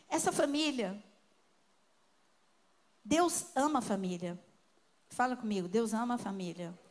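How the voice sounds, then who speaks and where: An older Brazilian woman preacher giving a sermon with personal testimony, telling her story with emotion and swinging between soft and loud. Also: fairly high pitch.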